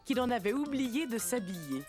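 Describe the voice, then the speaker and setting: A woman's voice: a little high, big pitch swings, moderate pace, over music. A woman acting as a storybook narrator in a children's cartoon, telling the tale in scripted narration. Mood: gentle. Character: storybook narrator telling a small boy's day.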